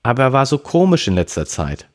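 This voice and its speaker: A man voicing a cheerful, excited teenage girl with a bubbly, eager way of talking, in an audiobook reading. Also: mid-range voice, fairly quick, pitched above the performer's own voice, lightly acted.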